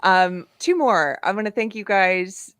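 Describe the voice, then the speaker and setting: A woman's voice: mid-range voice, unhurried, a bit bright, clear, resonant tone, no room sound. A woman hosting a live panel discussion who reads viewer donation messages aloud and thanks the people who sent them. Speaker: panel host.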